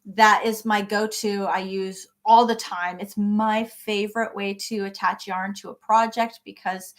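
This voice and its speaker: A woman hosting a live crochet session, chatting casually and answering viewer comments by name in an encouraging way. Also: mid-range voice. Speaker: crochet livestream host. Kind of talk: casual livestream chat reading comments.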